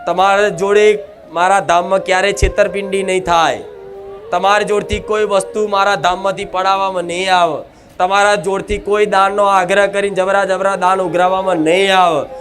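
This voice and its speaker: A man with a high, lifted voice preaches in a long unbroken stream, speaking as a goddess through a medium. He exhorts and calls out to his listeners, leading them in chanted responses. Loud devotional music runs behind him the whole time. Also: flat delivery, normal speed. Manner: nonstop exhorting, leads call-and-response chants. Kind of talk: devotional sermon.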